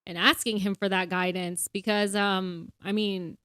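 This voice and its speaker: A woman's voice: medium pitch, little pitch movement, a little slow, a bit bright, clean tone, no echo, studio quality. A woman co-hosting a Christian podcast, reflecting in a casual chat, full of "like" and "you know" and easy laughs. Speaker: podcast co-host.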